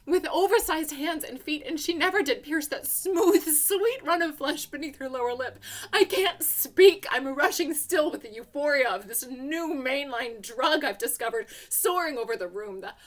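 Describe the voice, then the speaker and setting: Woman narrating a literary story, kinda high voice, very theatrical and intense. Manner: intense, theatrical, hushed passages swelling to emotional peaks. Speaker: reader of a short story. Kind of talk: dramatic literary narration, first person.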